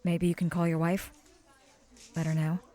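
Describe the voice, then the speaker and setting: A woman playing a concerned doctor in a naturalistic audio drama, measured and careful, gentle but firm. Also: on the low side, completely flat delivery, close to an everyday voice. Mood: firm, reassuring. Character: concerned, tactful female physician.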